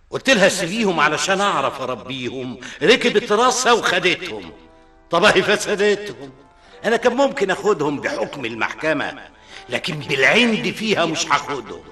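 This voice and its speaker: A man's voice: high voice, pushed and bright, full character voice. An actor playing a bitter, stubborn estranged father in a radio drama, speaking scornfully with an Egyptian accent. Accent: Egyptian Arabic. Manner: scornful, spiteful. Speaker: father character.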